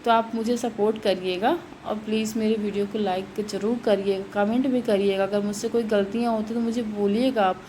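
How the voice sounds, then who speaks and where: A woman's voice: medium pitch, steady tone, a little fast, few pauses, dark tone, a little hiss or hum, low-quality recording. A woman, chatting casually as she cooks in her home kitchen and explains each step. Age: 30s. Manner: chatty, rambling, explains steps while working. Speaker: vlogger. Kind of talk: casual home vlog while cooking.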